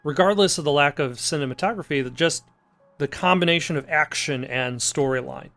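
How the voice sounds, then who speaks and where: Higher-pitched man doing casual game commentary. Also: brisk, fairly bright tone, soft background music. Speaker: let's play host.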